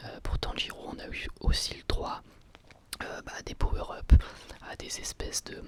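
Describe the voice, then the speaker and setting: A person giving a casual ASMR review in a soft, breathy, unvoiced whisper, hesitating and repeating words. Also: normal speed.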